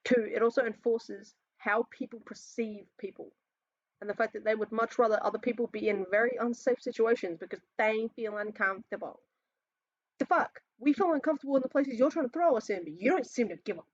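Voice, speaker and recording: A man's voice: high voice, fairly quick, dry recording, dull audio. An Australian trans man with a feminine-sounding voice, ranting casually while reacting to memes, swearing often and rambling between sighs and laughs. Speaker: reaction video host.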